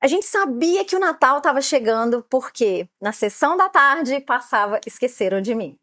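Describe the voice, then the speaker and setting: High-voiced Brazilian woman explaining eagerly. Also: moderate pace, no echo, clean studio sound. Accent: Brazilian Portuguese. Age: late 30s. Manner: lively, explanatory, many fillers. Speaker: photographer guest. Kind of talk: podcast interview.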